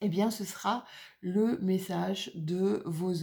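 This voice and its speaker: On a very clean recording with a silent background, a woman speaks at a medium pitch. Her tone is dark and mellow, somewhat breathy, with fairly even intonation. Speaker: tarot card reader. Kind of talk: tarot reading guidance video. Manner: halting, stammering.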